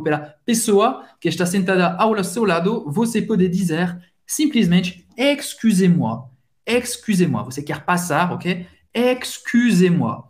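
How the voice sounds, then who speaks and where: Patient, slow-talking language teacher. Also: mid-range voice, a little mellow. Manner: patient and explanatory, repeats each French phrase slowly and carefully. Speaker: French teacher and podcast host. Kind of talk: language lesson, pronunciation drills.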